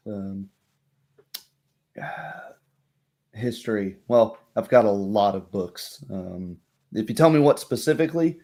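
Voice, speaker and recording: Man voicing a slow, halting old gnome woman. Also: lowish voice, a little mellow. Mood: hospitable, halting. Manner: halting, muttering, folksy. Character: very old female gnome village historian, easygoing and hospitable.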